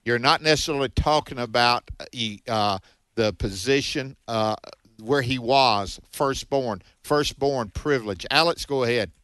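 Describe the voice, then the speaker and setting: A man's voice: medium pitch, measured pace, fairly bright tone, smooth, no room sound. Folksy male radio Bible co-host, dry studio. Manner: folksy, affectionate, calls people brother. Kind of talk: call-in radio Bible talk.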